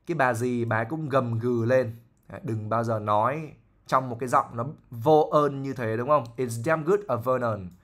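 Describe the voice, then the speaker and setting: A man's voice: mid-range voice, normal speed. A man, an English teacher patiently explaining a novel line by line, with fillers and frequent checks for understanding.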